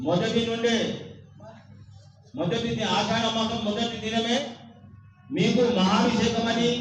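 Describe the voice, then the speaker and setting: A man giving a formal, deferential devotional address as a temple representative, phrase by halting phrase. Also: very high-pitched. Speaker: temple representative questioning the oracle. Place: echoing temple festival ceremony. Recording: very echoey, distant, dull, faint noise.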